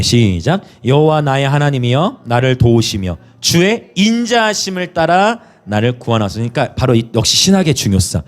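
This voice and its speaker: A middle-aged man preaching a sermon as pastor, passionate, dropping to hushed whispers and acting out pleading prayers. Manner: impassioned, swings from hushed whispers to high cries.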